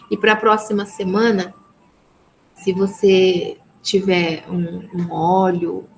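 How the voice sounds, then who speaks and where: Flat-voiced Brazilian woman teaching church class. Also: lowish voice, slight background noise, rough recording. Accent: Brazilian Portuguese. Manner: peppers speech with "amen?" and "né?" tags; earnest, blessing-filled preaching tone. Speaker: women's ministry teacher. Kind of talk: live online Bible class.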